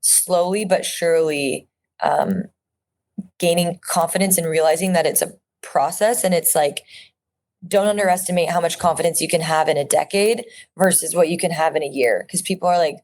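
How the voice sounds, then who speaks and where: A woman's voice: fairly low pitch, normal speed, a little mellow. A woman in her thirties from Orange County, speaking as an actress guest in a casual interview, earnest and reflective with frequent fillers and restarts. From Orange County, California.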